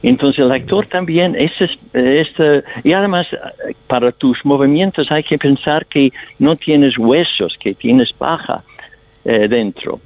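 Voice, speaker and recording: A man's voice: mid-range voice, slow, no room sound. An older male actor talking with a foreign accent in Spanish, thoughtful and anecdotal as he answers. His voice comes through a thin, tinny phone line. The sound is dry, with no room around it. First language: not Spanish. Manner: thoughtful, storytelling, slightly non-native Spanish phrasing. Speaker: stage actor, guest. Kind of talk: radio interview answers.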